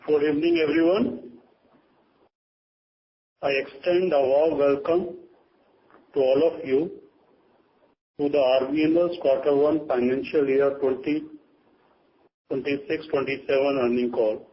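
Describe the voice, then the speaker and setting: On a dull lo-fi conference call with faint noise, a company chief with an Indian accent reads prepared earnings remarks aloud as a formal corporate statement. His mid-range voice stays steady, slow, and full of pauses.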